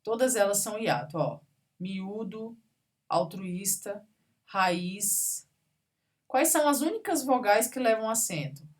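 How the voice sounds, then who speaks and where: A woman's voice: medium pitch, expressive, slow pace. A woman teaching a grammar lesson, patiently going through examples one word at a time and checking in with her students. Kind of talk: recorded classroom grammar lesson.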